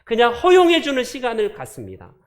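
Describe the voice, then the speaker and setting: A man preaches a Sunday morning sermon, his pitch rising and falling widely as he drives each point home. He repeats key phrases and speaks directly to his congregation. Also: wildly swooping pitch, brisk. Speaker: pastor.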